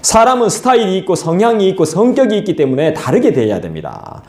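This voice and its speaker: A male pastor, preaching an expository sermon in a lively, colloquial way and talking straight to the congregation. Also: high voice, quick pace. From South Korea. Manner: lively, colloquial, acts out scolding voices and asides to the congregation. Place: church sanctuary. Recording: echoey church hall.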